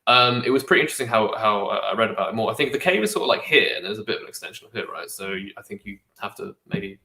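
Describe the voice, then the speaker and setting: A man's voice: lowish voice, lively intonation, racing, vocal fry, pushed and bright. A young man co-hosting a podcast, rambling in casual chat, swearing freely and dropping slang. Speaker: podcast co-host. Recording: echoey room.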